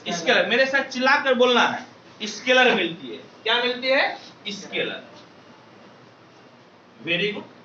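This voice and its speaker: Male maths teacher, keeps firing questions for the class to shout back; distant, lo-fi mic. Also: extremely high pitch, big pitch swings, unhurried, pauses often, roomy sound, a little hiss or hum. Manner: drills students with call-and-response questions. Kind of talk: classroom lecture.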